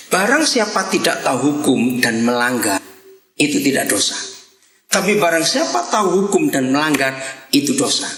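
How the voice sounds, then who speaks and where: An older man preaching a lively, joking sermon to a congregation, swinging between loud bursts and quiet asides. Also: medium pitch, roomy sound.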